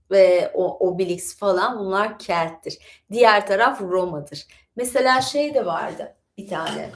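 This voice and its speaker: A woman's voice: fairly high pitch, roomy sound. A woman chatting casually on a live stream and reading aloud from a book, digressing freely with many fillers. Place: home studio with bookshelves.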